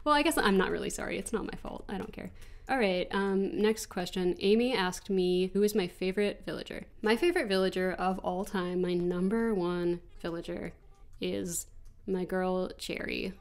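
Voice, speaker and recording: A woman's voice: lowish voice, moderate pace. A woman in her twenties with an American accent, stuffy from allergies, chatting casually as she answers viewer questions over gameplay. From United States. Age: 20s. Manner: chatty, rambling, frequent ums and restarts. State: congested from allergies. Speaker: gaming channel host.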